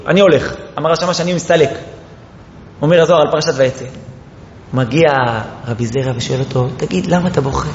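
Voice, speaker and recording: A man giving an impassioned Torah lecture, moving from quiet explanation to rising, pleading exclamations and often restarting his sentences. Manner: apologizes for being disorganized, restarts often. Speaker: Torah teacher. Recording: echoey hall, dull lo-fi sound with faint rumble.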